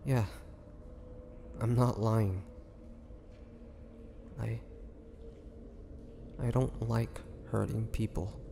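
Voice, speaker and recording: A man playing an ancient, gentle and wistful male vampire in an intimate audio roleplay, speaking haltingly with measured pauses. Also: on the low side, fairly even intonation, gravelly, background noise, full character voice. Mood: earnest, pleading.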